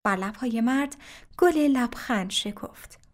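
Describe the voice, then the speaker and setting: A woman narrating a religious story in an even, careful reading voice. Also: on the high side.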